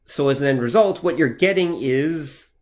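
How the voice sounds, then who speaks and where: A man's voice: on the high side, moderate pace, a little mellow. Man explaining things on a podcast. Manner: steers the talk, explains with asides. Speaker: podcast co-host. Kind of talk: casual explanatory chat.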